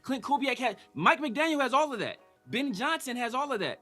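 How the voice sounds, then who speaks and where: A podcast host with a high, sharp, bright voice runs a casual sports talk show, pressing his arguments and talking over his co-host. He's very animated and brisk, with faint music in the background.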